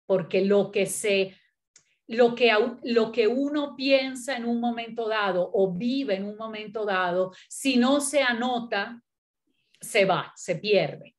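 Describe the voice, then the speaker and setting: At an academic panel, a Venezuelan poet and critic in middle age, Italian being her native tongue, talks reflectively in a fairly high voice, often pausing, using fillers and starting over.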